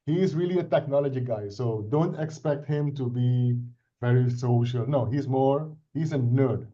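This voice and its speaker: A middle-aged man with a Dutch accent talks over a video call, explaining things earnestly, restarting his sentences and checking in with "right?" His voice sits at an ordinary pitch with a mellow, dark tone. The call audio sounds dull and lo-fi. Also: normal speed. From Suriname. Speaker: IT consultant presenting a crypto project. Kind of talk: casual self-introduction and explanation on a video call.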